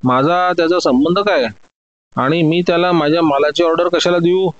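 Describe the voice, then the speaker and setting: A man's voice: fairly high pitch, steady tone, muffled recording, voice pushed up, natural voice. A man doing an indignant old merchant. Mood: astonished. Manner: protesting, quick to take offence. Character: older male diamond merchant, proud and indignant.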